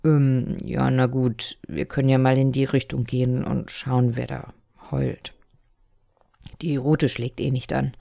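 A jittery eight-year-old big brother from a children's story, read out by a woman in a very low, dark voice. He hesitates and hems, then slips into explaining things like a little know-it-all. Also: little pitch movement, unhurried, creaky, dry recording, clean studio sound, exaggerated voice. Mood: nervous. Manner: hesitant, fearful, tries to sound clever. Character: nervous eight-year-old boy, proud older brother. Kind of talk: storybook reading.

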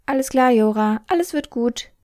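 A plucky little sister from a children's storybook, put on by a woman reader, her voice pushed up high and bright with eagerness. She talks fast and insistently, tumbling over her words, in a dry, close recording. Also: dry recording, close to an everyday voice. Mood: excited. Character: brave little girl, quick-thinking younger sister. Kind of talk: storybook reading.

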